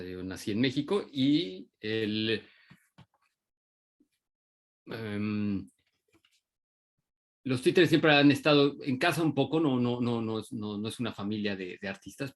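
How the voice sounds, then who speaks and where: A man with a Mexican accent gives an informal talk about his work, hesitating often and restarting his sentences. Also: fairly low pitch. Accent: Mexican Spanish. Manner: hesitant, many restarts and fillers. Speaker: invited puppeteer speaker.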